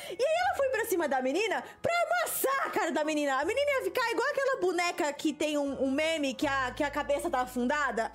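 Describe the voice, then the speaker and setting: A young Brazilian woman tells a story in a casual, animated way, her voice high and full of swings in pitch. She acts out what people said as she goes, over faint music in the background. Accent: Brazilian Portuguese. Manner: animated, laughing storyteller who acts out quotes. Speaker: gaming video host. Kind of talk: casual storytelling while playing a game.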